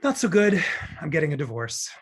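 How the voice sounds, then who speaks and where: An actor playing a wry, morbidly joking man going through a divorce, in a raspy voice, in a romantic comedy table read. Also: fairly high pitch, sing-song, a little fast. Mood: awkward, downcast. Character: Harry, wry, morbidly joking, newly divorcing male consultant.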